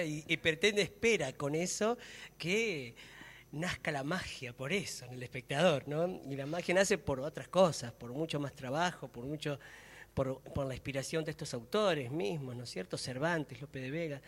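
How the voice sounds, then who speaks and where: A man's voice: fairly high pitch, normal speed, a bit bright. Argentine man in a reverberant hall. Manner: hesitant, searching for words, thinking aloud. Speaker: actor and theatre maker. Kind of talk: reflective public conversation about theatre. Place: public talk in a hall.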